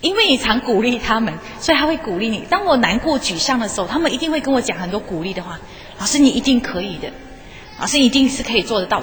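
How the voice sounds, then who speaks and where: This woman's voice is fairly high and a bit bright. Once a teacher, she now gives live motivational talks, and here she chats and coaxes, asking her lecture-hall audience lots of questions. The sound echoes around the hall over faint background noise.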